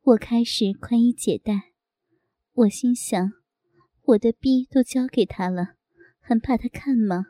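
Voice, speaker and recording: Woman storyteller, higher mellow voice, intimate first-person reading. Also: unhurried, pauses often, dry recording, clean studio sound.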